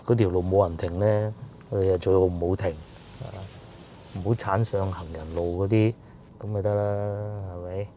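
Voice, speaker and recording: A man's voice: deep voice, steady tone, normal speed, warm tone, slight background noise. A man with a Cantonese accent giving rambling, casual vlog narration while riding through streets outdoors. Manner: chatty, rambling with fillers. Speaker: food vlogger.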